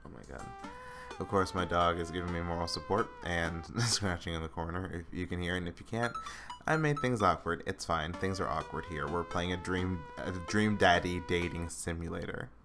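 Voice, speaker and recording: Low-voiced man reading a dating sim aloud. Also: moderate pace. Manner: casual, self-deprecating, swears. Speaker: let's play host. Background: background music.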